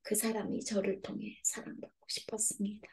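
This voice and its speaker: A woman preaching a devotional sermon and voicing prayers, earnest, swinging between loud appeals and hushed whispers. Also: mid-range voice, completely flat delivery, brisk, creaky, breathy edge.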